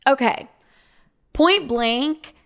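A woman's voice: sits high, animated, very slow, creaky. A young adult woman with an American Valley girl accent and drawl, hosting a casual advice show in a blunt, sweary, unfiltered way with lots of filler "like". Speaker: podcast host giving listener advice.

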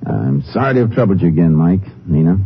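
A man acting as a steady, methodical Texas Ranger in 1950s radio style, measured and matter-of-fact. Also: low voice, breathy edge, full character voice. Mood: calm, probing. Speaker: lead actor and narrator of a radio crime drama. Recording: noisy, muffled 1950s radio recording.

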